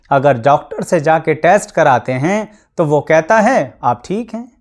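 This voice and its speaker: A man talks as an astrologer to his viewers in a steady explanatory style. He keeps things practical and simple, walking through everyday examples. English words slip easily into his speech. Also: a little high. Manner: mixes English words into Hindi.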